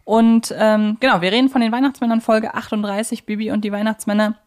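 A woman's voice: a little high, level tone, fast, darkish tone. Chatty woman co-hosting a podcast. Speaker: podcast co-host. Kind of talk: casual conversational discussion of audio dramas.

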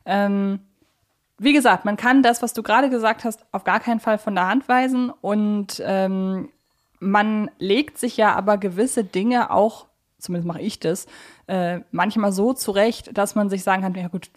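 A woman talking casually as a podcast co-host, explaining her points in a measured, conciliatory way. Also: medium pitch. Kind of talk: casual, discursive podcast discussion.

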